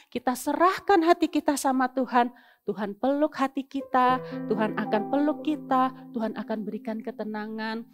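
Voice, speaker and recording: A young woman giving a lively sermon to children, swinging between soft and loud as she acts out feelings. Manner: animated, lively storytelling with sudden swings in pitch and loudness; mixes English phrases into speech. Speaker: children's church teacher. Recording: music playing behind the voice.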